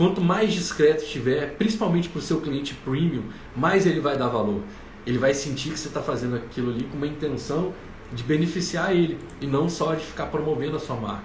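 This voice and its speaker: Amid noticeable background noise and audible room echo, a man with a fairly high pitch speaks at a fairly quick pace. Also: ordinary pitch variation. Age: 40s. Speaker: business consultant. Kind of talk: live online class. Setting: livestream. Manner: animated.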